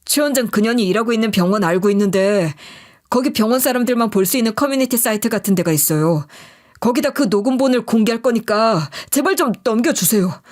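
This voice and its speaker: A woman's voice: fairly high pitch, expressive, a little fast, natural voice. A woman voicing a disgraced, vengeful office manager in an audio story, aggrieved, wordy and pleading.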